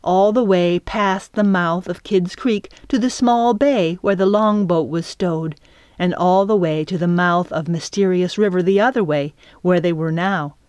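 A woman reads a children's story aloud in a calm, measured way, her voice fairly low and unhurried. The recording is close and dry, with no room sound. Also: clear, resonant tone, no room sound. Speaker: audiobook narrator. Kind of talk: scripted narration.

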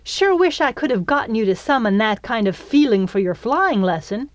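A feisty little fairy from a storybook, as a woman acts her out, speaks with sharp, sassy impatience. Her pitch sits high and swoops about freely. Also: expressive, moderate pace, no echo, studio quality, lightly acted. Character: tiny, feisty, sharp-tongued female fairy.

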